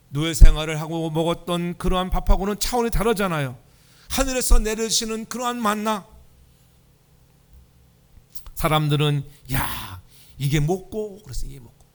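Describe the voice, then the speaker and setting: A man preaching a Sunday sermon in a church, telling humorous stories and asking the congregation for responses. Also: high voice. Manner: humorous storytelling. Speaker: pastor. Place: church sanctuary.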